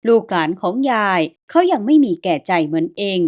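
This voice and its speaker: A woman's voice: medium pitch, a little fast. A woman voicing a kindly old grandmother ghost. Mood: reassuring. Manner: old rustic speech, calm and reassuring.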